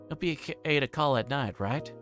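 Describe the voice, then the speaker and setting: A man's voice: medium pitch, normal speed, fairly bright tone, soft background music, pitched above the performer's own voice, close to an everyday voice. A man voicing a polite, apologetic teenage girl in a visual novel read-through. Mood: friendly, hurried.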